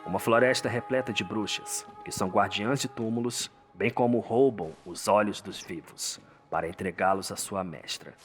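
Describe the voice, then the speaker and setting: A man with a Brazilian accent narrates a dark story in a theatrical, suspenseful, scripted style. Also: on the low side. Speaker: narrator, host. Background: music.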